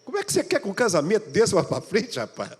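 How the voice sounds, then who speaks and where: A male pastor preaching a sermon, telling a story and acting out the dialogue in an animated way. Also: high voice, fast talker, breathy edge. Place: church hall. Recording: long reverb of a large hall.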